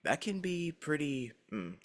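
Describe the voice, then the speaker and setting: A man's voice: on the high side, very animated, a little slow. A young man hosting an interview, laid-back and chummy, laughing often as he chats. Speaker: podcast host. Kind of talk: casual interview chat.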